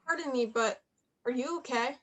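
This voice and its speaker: A woman's voice: high voice, moderate pace. A woman playing a playful, persistent eighteen-year-old journalism student in a play reading, chatty and probing. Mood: concerned, friendly. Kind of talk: staged reading of a play, naturalistic dialogue.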